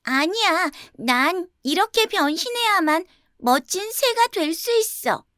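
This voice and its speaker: A woman voicing a self-conscious young crow in an earnest, childlike, expressive storybook style. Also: extremely high pitch, unhurried, no echo, studio quality, pitched above the performer's own voice, full character voice. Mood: defiant.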